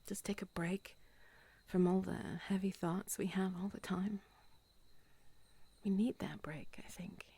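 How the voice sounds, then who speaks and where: A woman plays an affectionate, playful companion in an intimate audio whispered role-play. Her voice is soft and breathy, with a husky edge and plenty of creak at a medium pitch. She speaks closely and tenderly, as if to one person. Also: level tone, a little slow, pauses often. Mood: gentle, reflective. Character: affectionate, playful female companion on a moonlit walk.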